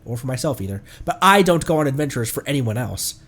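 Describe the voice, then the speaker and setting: A man's voice: mid-range voice, big pitch swings, quick pace, fairly bright tone, a little hiss or hum. A man voicing an earnest, solemn adventurer from a fantasy game, reading the dialogue with feeling. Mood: earnest, resolute.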